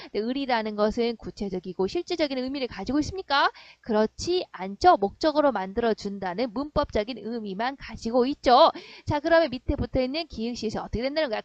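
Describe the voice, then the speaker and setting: A woman teacher with a high voice runs an online grammar lesson. She keeps asking her students questions and answering them herself in a lively way. The sound is close and dry, a little dull. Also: no room sound. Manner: animated, quizzing students with rhetorical questions.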